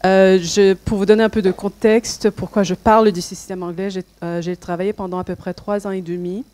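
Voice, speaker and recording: A woman's voice: mid-range voice, little pitch movement, fairly quick, warm tone. A woman from Canada with a Canadian French accent, giving a conference talk with many fillers and restarts. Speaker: speaker at a public debate.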